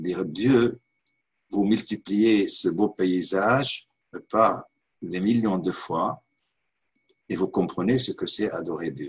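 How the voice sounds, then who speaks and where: A man's fairly low voice at a very slow pace, with long, frequent pauses. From Syria. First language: Arabic (speaking French). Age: 70s. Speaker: author and lecturer. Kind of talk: lecture.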